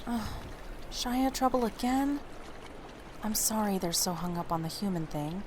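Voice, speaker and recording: A woman's voice: medium pitch, animated, unhurried, lightly acted. Actress as a feisty, sassy young woman, faint background noise. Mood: protective, indignant. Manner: sassy, casual. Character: feisty, blunt, protective young woman, best friend. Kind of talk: audio drama acting.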